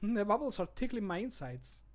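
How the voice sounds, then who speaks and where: A man's voice: sits high, very animated, normal speed, voice pushed up. A man voicing a cheery, quirky ale-loving fantasy game character in a whimsical, sing-song manner. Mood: giddy, tickled. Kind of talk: fantasy video game voice lines.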